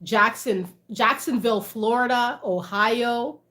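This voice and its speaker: A woman's voice: a little high, takes it slowly, a bit bright. A woman, chatting casually with livestream viewers, reading out their comments and laughing often. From Canada. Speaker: livestream host.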